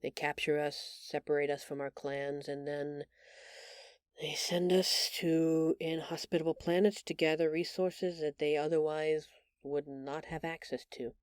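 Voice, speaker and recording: A woman voicing a gentle, timid alien woman in an intimate audio roleplay, speaking hesitantly and earnestly, with tender halting stammers. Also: sits low, flat delivery, clean tone, no room sound, studio quality. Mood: somber, hushed. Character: gentle, timid bioluminescent alien woman, shapeshifter in human exile.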